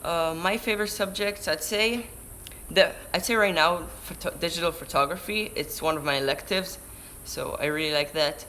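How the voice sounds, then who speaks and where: A man's voice: on the high side, normal speed, pushed and bright, slight background noise. Teen guy with a Hebrew accent. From Israel. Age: teens. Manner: chatty, restarts mid-word, answers questions read aloud. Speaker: surfer vlogger. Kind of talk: live stream Q&A reading chat questions. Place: indoors by a window. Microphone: camera-mounted shotgun mic.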